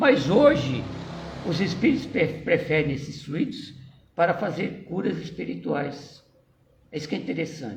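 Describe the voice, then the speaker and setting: In a room with audible echo, a man with a fairly high pitch speaks at a fairly slow pace with lively intonation and long, frequent pauses. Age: 60s. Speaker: spiritist lecturer. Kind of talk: lecture.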